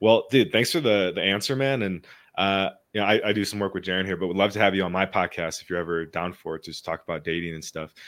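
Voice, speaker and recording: A man with a fairly low voice speaks at a very fast pace, with big swings in loudness. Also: ordinary pitch variation. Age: 20s. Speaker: caller. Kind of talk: casual chat. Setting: live stream.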